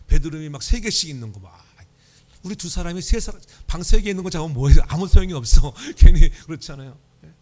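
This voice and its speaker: A man's voice: medium pitch, a little mellow, slight background noise. A man preaching a Sunday sermon in a church, telling humorous stories and asking the congregation for responses. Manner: humorous storytelling. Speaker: pastor. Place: church sanctuary.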